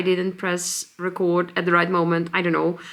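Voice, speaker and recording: A woman speaks with a Dutch accent. Her tone is bright and sharp at a medium pitch. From Netherlands. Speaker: horse trainer. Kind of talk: casual vlog narration. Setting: outdoors at stables. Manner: hesitant, many fillers.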